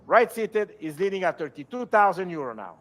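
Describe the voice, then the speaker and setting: Male auctioneer, notably high voice. Formal lot presentations, steady repeated bid calls to a live sale. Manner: auctioneer delivery, repetitive, measured bid calls.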